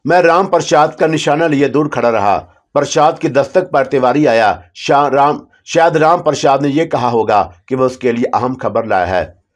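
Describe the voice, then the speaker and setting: Guy reading a horror story in first person, steady and dramatic, average pitch.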